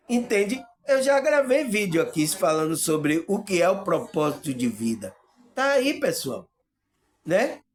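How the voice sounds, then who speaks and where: A man with a Bahian Brazilian accent gives a spiritual teaching monologue to his viewers, often pausing on hesitant fillers and checking whether they understand. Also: high voice. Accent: Bahian Brazilian Portuguese. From Salvador, Bahia, Brazil. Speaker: spiritual video host.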